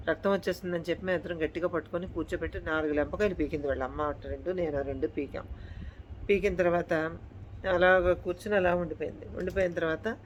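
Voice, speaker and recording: A woman's voice: lowish voice, muffled recording, a little hiss or hum. A woman and channel host telling a true horror story in casual speech, repeating her phrases and addressing listeners politely.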